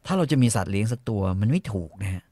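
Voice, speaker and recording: A man's voice: lowish voice, very animated, very fast, dark tone, no echo. A man in casual chat who tells stories with lots of feeling, swears freely and acts out the people he quotes.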